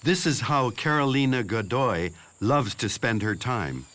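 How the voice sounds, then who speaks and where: A man delivering scripted nature documentary narration in a measured, explanatory way. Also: mid-range voice, animated, a bit bright.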